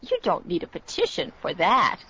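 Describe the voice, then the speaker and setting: A woman's voice: fairly low pitch, huge pitch swings, moderate pace, pushed and bright. A woman in her seventies speaking scripted lesson dialogue, curt and stubborn. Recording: dull lo-fi recording with faint noise.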